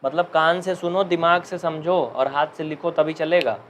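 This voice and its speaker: A young man with an Uttar Pradesh Hindi accent teaching maths in a live online class, chatting and joking, and dictating slowly. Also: on the high side, steady tone, fairly bright tone, slight background noise.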